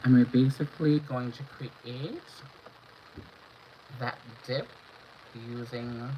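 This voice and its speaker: A woman from Antigua and Barbuda, hoarse from a cold, talking viewers through a makeup look on a livestream. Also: extremely low pitch, steady tone, takes it slowly. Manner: chatty, instructional, greets viewers by name. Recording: dull lo-fi stream audio with clear background noise.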